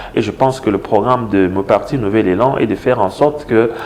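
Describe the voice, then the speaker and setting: Against noticeable background noise, a man with a Congolese accent speaks at a moderate pace with ordinary pitch variation. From DR Congo, Kwilu region. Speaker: professor and political candidate. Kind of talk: interview. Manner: hesitant, many fillers.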